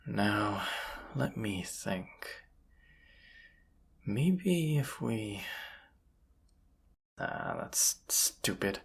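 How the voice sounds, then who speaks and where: A performer voicing a folksy, plain-spoken bandit leader in an audio roleplay, with a gravelly, husky voice and a conversational, wry manner. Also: sits low, big pitch swings, drawn-out words, long pauses, slight background noise, full character voice. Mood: pondering, uncertain. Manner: folksy, conversational, hushed at times. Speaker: character voice actor. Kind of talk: immersive audio roleplay acting, addressing the listener.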